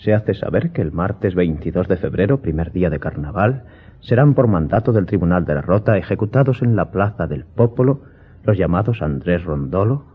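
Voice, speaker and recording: A man acting as a well-mannered young gentleman in a radio play, formal and curious. His husky voice is lowish and moves freely in pitch. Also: phone-quality sound, heavily acted. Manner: polite, formal. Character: courteous, inquisitive young gentleman traveller of noble manners. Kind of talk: Spanish audio drama acting.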